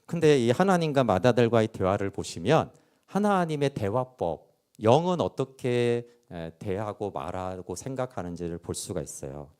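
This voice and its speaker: A man preaching a sermon as pastor, asking his listeners rhetorical questions and dropping to soft asides between stronger points. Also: fairly low pitch, very animated, normal speed, smooth. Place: church sanctuary.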